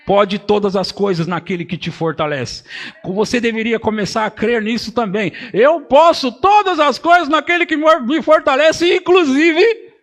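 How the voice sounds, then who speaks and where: A Brazilian man preaching a sermon as a pastor, moving from quiet asides to loud shouted emphasis and playfully mimicking voices. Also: sits high. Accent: Brazilian Portuguese.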